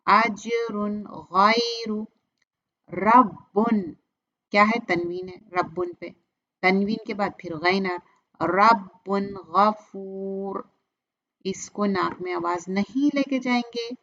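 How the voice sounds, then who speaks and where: A woman teaching recitation rules, patiently repeating each example slowly and clearly. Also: mid-range voice, fairly bright tone, highs cut off. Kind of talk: step-by-step tajweed lesson.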